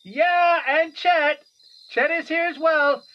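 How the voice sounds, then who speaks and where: Audio drama stern folksy man: raised high voice, slow and halting, muffled. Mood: stern, calling out. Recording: dull, distant-sounding voice.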